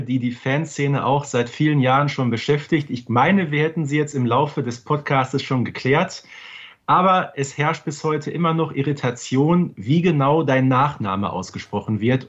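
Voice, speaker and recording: A man's voice: medium pitch, normal speed, husky, dull audio. A man co-hosting a podcast interview, with a friendly, affirming manner. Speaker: podcast co-host.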